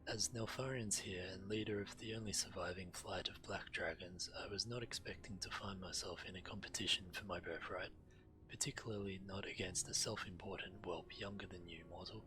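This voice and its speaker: An actor playing a proud, self-important black dragon in a video game, speaking formally and persuasively. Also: male voice, low voice, fairly even intonation, brisk, lightly acted, poor audio. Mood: haughty. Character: proud male black dragon claimant, haughty, earnest, indignant. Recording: music behind the voice.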